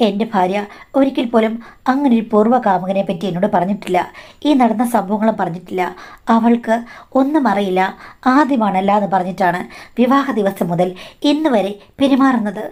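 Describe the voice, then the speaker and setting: A woman narrating a scripted life story in a steady, measured way. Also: mid-range voice.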